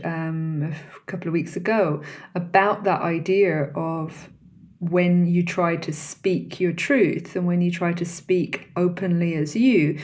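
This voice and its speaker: Her voice is lowish and a little mellow. She's a podcast host speaking on her own in a reflective, conversational way and putting questions to her listeners.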